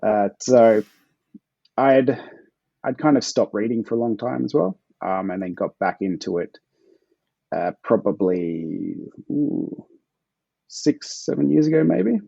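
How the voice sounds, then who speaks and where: Aussie guy, chill answers, low dark husky voice, kinda muffled dull sound. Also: lively intonation, a little slow, pauses often, no echo. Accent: Australian. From Australia. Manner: laid-back, chuckles between answers. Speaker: guest author. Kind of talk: casual interview answers.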